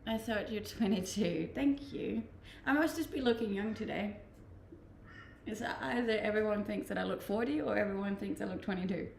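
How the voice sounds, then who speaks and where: This livestreamer, a Danish woman in her twenties, has a gravelly, medium-pitched voice at a moderate pace. She's chatty and laid-back, frequently laughing while going through viewer comments. The sound is roomy with slight background noise.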